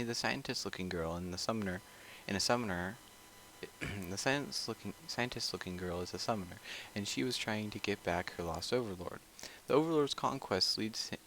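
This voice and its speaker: A man's voice: fairly low pitch, slight background noise, poor audio. A man reading a visual novel aloud as he plays, stumbling and rereading lines between casual asides. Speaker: video game player. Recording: loud music over the voice. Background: loud game music.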